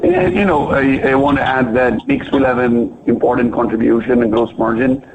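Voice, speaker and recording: Confident male executive on a conference call, mid pitch, clearly noisy telephone audio. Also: wildly swooping pitch, moderate pace. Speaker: company executive on earnings call. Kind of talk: answering analyst questions on a conference call. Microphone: telephone conference line. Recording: noisy, band-limited phone line.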